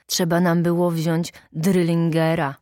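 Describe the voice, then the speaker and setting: A woman's voice: on the low side, level tone, a little slow, mellow, no room sound, studio quality, lightly acted. A woman reading a story aloud and voicing a boastful, tipsy male local official who talks in a bluff, showy, persuasive way.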